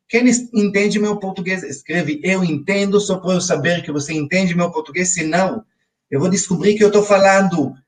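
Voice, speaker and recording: Speech from a man, high in pitch and moderate in pace, its pitch variation ordinary. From Israel. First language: Hebrew (speaking Portuguese). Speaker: financial educator. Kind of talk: online lecture.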